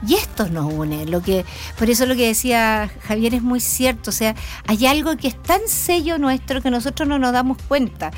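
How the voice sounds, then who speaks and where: A middle-aged woman hosts a relaxed local talk show in a fairly high voice. She chats freely and steers her guests with leading questions. Faint music plays under the talk. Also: normal speed, few pauses. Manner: chatty, asks leading questions. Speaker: radio show host and town councillor. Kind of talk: casual radio talk.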